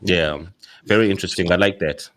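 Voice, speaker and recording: A man's voice: sits low, a little fast, fairly bright tone, slight background noise. A South African man hosting a casual podcast discussion, talking in a rambling way with many fillers and restarts. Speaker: podcast host.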